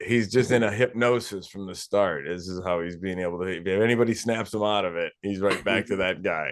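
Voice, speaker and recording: A man talks at a fairly quick pace with hardly any pauses. He has a slight Midwestern accent and a fairly low pitch. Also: ordinary pitch variation. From US Midwest. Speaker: comedian. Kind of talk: casual chat.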